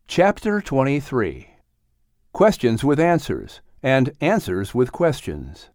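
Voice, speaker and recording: A man's voice: medium pitch, wildly swooping pitch, slow, a little mellow, no echo, studio quality. A man reading scripted narration for a children's audiobook story.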